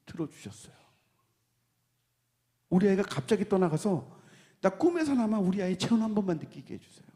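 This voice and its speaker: Man, church testimony, warm dark voice, very lively pitch, long church reverb. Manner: storytelling with hushed low passages and sudden rising outbursts. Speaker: church deacon giving testimony.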